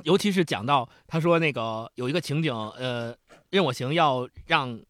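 A man in a casual, animated book discussion on a podcast, retelling scenes in detail and voicing quotations as he goes. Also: mid-range voice, normal speed, dry recording. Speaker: podcast panelist.

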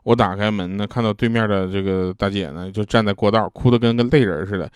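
A man's voice: on the low side, fast, clear, resonant tone, no room sound, studio quality. A man telling jokes and funny anecdotes in a chatty way, laughing at his own punchlines. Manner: casual slangy asides to the listener.

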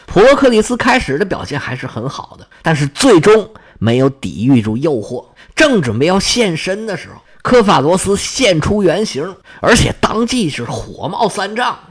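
Guy retelling old myths, chatty folksy style, husky voice, higher pitch. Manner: lively, folksy, chatty asides to listeners. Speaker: storyteller. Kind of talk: colloquial storytelling of myths.

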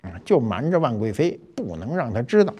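An older man tells a palace story as a talk show host. He keeps it chatty and colloquial, with a lively pitch that swoops up and down. His voice has a slightly husky edge. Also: a little fast.

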